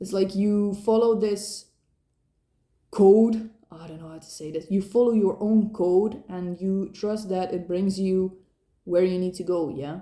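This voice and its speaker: A woman with a non-native accent speaks at medium pitch in a dark, mellow tone. Her pace is fairly slow, her intonation fairly even, and her loudness swings widely. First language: not English. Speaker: tarot reader. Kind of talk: intuitive tarot reading. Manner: halting, searches for words; casual.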